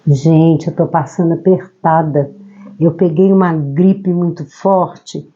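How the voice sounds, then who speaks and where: A woman from Brazil, hoarse from a cold, gently explaining a Gospel passage verse by verse. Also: sits low, fairly even intonation, takes it slowly. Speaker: Bible teacher. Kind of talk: devotional Gospel commentary. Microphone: own microphone. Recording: slightly dull lo-fi recording.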